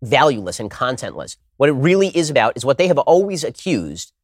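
A man on a studio panel making a fast, emphatic argument, with frequent rhetorical "right?" checks. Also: medium pitch, sing-song, no room sound. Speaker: roundtable panelist. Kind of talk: rapid argumentative commentary.

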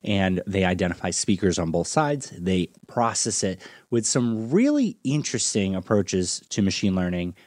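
A man's voice: sits low, very animated, normal speed, few pauses, darkish tone, no room sound, clean studio sound. A man hosting a podcast in a conversational, enthusiastic way. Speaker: podcast host and interviewer.

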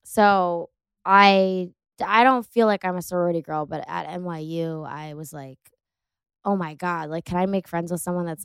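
Young comedian, hoarse and raspy, lowish gravelly voice, close dry mic, deadpan self-mockery. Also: female voice, no echo. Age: 20s. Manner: dry self-mocking banter. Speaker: comedian guest. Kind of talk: casual podcast chat.

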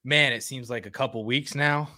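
A man's voice: mid-range voice, normal speed, sharp tone. A man guesting on a casual podcast, laid-back and laughing at himself.

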